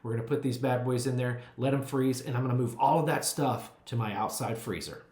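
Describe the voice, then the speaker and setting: Middle-aged American man, jolly folksy grill dad, upbeat cooking-vlog host, emphatic delivery, mid-pitched. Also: fairly quick, a little mellow, roomy sound. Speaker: barbecue cooking vlogger and host.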